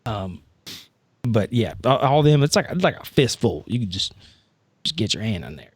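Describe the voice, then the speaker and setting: A man's voice: on the low side, sing-song, husky, no room sound, studio quality, voice pushed down, full character voice. A man playing a sheepish, hapless but determined schemer in a tabletop roleplay, rambling and interrupting himself. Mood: sheepish, bargaining. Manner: halting, rambling, self-interrupting.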